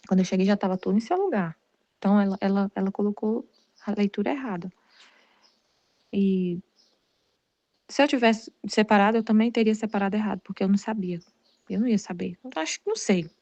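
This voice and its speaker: A woman's voice: mid-range voice, dark tone, no echo. Rambling Brazilian woman, dull lo-fi sound. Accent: Brazilian Portuguese. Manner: rambling, many restarts and repeated words. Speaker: Catholic study group leader. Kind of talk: casual personal testimony.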